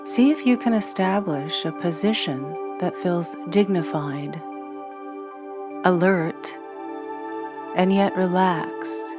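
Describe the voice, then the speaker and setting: Female meditation guide, lowish pitch, very unhurried and soothing, short phrases with long pauses, new-age music clearly underneath. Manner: gentle, soothing, soft-spoken delivery with long pauses. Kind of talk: scripted guided meditation narration.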